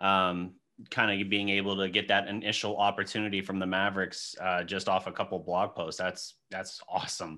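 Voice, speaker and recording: In an American accent, the speaker uses a bright, sharp tone and fairly even intonation at a moderate pace over a quiet background. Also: man. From Dallas-Fort Worth, Texas. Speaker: sports podcast host. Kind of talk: casual interview chat. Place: home room. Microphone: video call.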